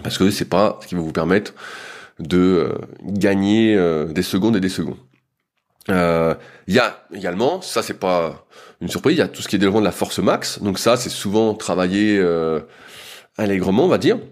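A man's voice: sits low, moderate pace. A man, a strength coach, explaining training in a loose, casual way with frequent hesitations and fillers.

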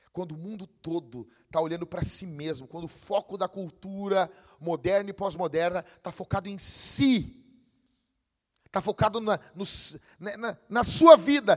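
A man preaching a sermon in a high, ringing voice. His delivery is fiery and full of slang, swinging from shouts down to hushed asides. The sound carries a long church reverb. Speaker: pastor. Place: church hall.

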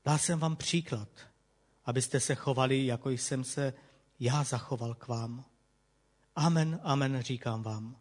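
A man reading the words of Jesus, a calm grown man teaching his disciples, in a measured, solemn way. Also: medium pitch, natural voice.

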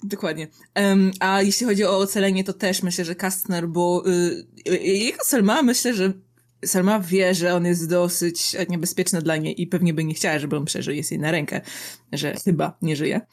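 Female tabletop player, lowish voice, playful and joking. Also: fairly even intonation, moderate pace. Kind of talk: casual chat about a tabletop campaign.

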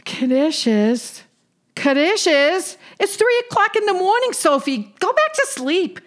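A woman's voice: mid-range voice, animated, slow pace. A woman voicing a bossy, practical sister who scolds and coaxes her anxious sibling in a comedy skit. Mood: exasperated. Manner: scolding, exasperated.

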